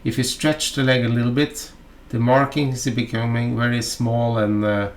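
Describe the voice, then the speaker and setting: A man from Norway with a Norwegian accent, narrating a fly-tying tutorial in a halting, chatty way full of fillers and asides. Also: medium pitch, level tone.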